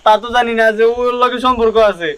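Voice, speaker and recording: A man's voice: very high voice, fast talker, fairly bright tone, smooth, dry recording. A man playing the groom's puzzled friend. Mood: speculating. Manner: puzzled, speculating. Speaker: actor in a village comedy short film. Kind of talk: rural comedy drama acting.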